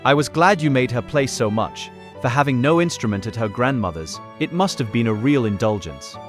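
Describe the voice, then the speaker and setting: An actor playing a frank, approving gentleman with a courteous, formal manner in a period audiobook. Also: mid-range voice, animated, brisk, soft background music, lightly acted. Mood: pleased, approving. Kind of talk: period novel audiobook acting.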